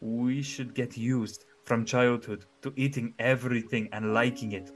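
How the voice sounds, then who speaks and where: A man voicing a kindly, patient old woodcarver father, speaking louder and higher than his narration, emphatic and a little scolding. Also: fairly even intonation, a little slow, soft background music, lightly acted, low-quality recording. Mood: fatherly.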